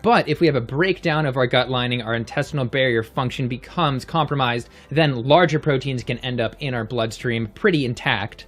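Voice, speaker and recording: A man hosting an upbeat science explainer, energetic and given to jokey asides. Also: medium pitch. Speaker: host.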